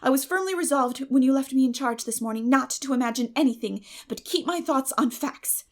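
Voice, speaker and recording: A woman's voice: high voice, fairly quick, natural voice. A woman voicing a dreamy, dramatic young schoolgirl in an audiobook, effusive and earnest. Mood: apologetic, excitable.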